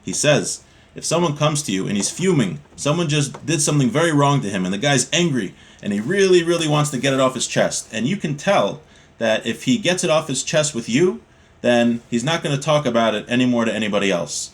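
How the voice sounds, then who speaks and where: A man teaching a class on Jewish law, reading short passages and explaining them in plain, calm English, often repeating key points. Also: mid-range voice, brisk. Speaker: Torah teacher. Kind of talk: text study class, reading Hebrew then explaining in English.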